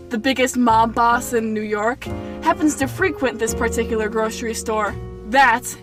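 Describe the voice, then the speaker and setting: A woman's voice: a little high, close to an everyday voice. A young woman playing a sensible, street-smart detective's partner in an amateur radio play. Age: teens or young adult. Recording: amateur recording with music underneath.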